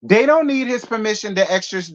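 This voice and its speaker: A man's voice: high voice, lively intonation, a little fast. A man hosting casual gossip commentary in a sassy, chatty way with laughing asides. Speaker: host. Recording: dull lo-fi.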